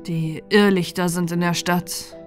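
A woman voicing a mature, resigned male poet in a fairy tale, measured and wry. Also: on the low side, steady tone, soft background music, close to an everyday voice. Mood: resigned, earnest.

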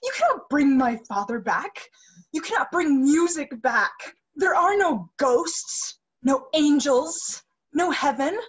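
A young woman playing a defiant, sorrowful captive singer in a staged reading, formal and deliberate. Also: sits high, sing-song, full character voice. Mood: accusing, anguished. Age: young adult. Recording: muffled video call audio.

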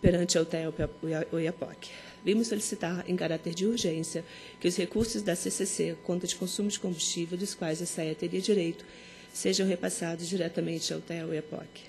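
A woman's voice: fairly low pitch, fairly even intonation, a little fast, a little mellow, slight background noise. A Brazilian woman with a cold and a nasal voice, a company representative making a formal oral statement at a regulatory hearing. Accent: Brazilian Portuguese.

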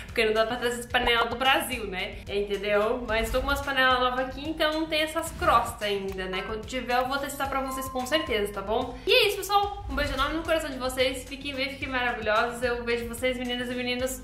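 A woman's voice: a little high, fairly bright tone, echoey room. A Brazilian woman with a Brazilian Portuguese accent, casually chatting and joking with viewers while testing kitchen gadgets at home. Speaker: YouTuber testing products. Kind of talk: casual product-testing chat to camera.

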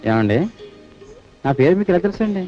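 A simple-hearted police constable with a high, animated voice that rattles along. He repeats himself endlessly and honors everyone he speaks to. The sound is dull and lo-fi, with film music behind. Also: fairly quick. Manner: polite, repetitive, adds honorifics to every phrase. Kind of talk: 1980s film dialogue.

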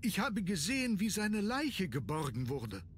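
An actor playing an anxious, deferential manor butler in a video game, formal and agitated. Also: male voice, high-pitched, huge pitch swings, measured pace, slight background noise, full character voice. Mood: agitated, distressed. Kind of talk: German video game voice acting.

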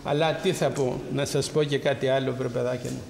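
A man's voice: mid-range voice, fairly even intonation, creaky, noisy background. A man, a priest, giving a spiritual talk to a congregation and asking them rhetorical questions. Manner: preaching with rhetorical questions to the audience. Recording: roomy hall with long echo.

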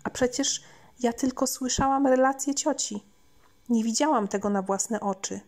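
A woman's voice: a little high, moderate pace. A woman reading a scripted first-person horror story as an audiobook narrator. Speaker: audiobook reader. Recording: lo-fi home audiobook recording.

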